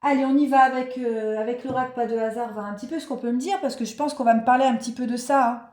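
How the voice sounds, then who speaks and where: A woman's voice: fairly high pitch, steady tone, fast, a little mellow, reverberant. A woman with a cold and sore throat giving a casual oracle card reading, speaking straight to her viewers with many fillers. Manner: chatty, many fillers, addresses viewers directly. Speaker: spiritual card reader.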